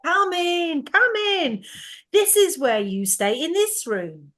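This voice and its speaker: A woman playing a grave figure of the ghetto in a deliberate, declamatory theatrical style. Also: extremely high pitch, big pitch swings, a bit bright, full character voice. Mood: curt, bitter. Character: grave female narrator and weary ghetto tenant. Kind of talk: theatrical recitation in a stage play.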